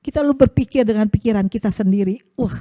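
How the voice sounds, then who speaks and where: A woman with a slightly high, mellow voice preaches a chatty, conversational sermon at a fairly quick pace. She asks rhetorical tag questions, chuckles often, and acts out the prayers and voices she quotes. There's no room sound.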